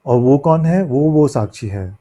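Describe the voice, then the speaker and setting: A man giving a spiritual discourse as a teacher, halting as he searches for words in imperfect, non-native Hindi mixed with English words. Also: medium pitch, lively intonation, mellow. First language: not a native Hindi speaker, apologises for imperfect Hindi. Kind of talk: spiritual discourse in question-and-answer setting.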